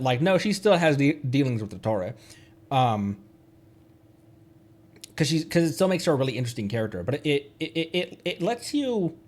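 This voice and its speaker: A man casually commenting as a livestream host, thinking aloud with halting, repeated and restarted phrases. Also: medium pitch. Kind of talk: casual game stream commentary.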